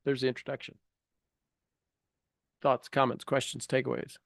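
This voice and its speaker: A man's voice: mid-range voice, level tone, normal speed, creaky, dry recording, studio quality. A man leading a coaching class in an informal, blunt and prodding way, with folksy turns of phrase. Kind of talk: informal coaching talk mixed with reading aloud from a book.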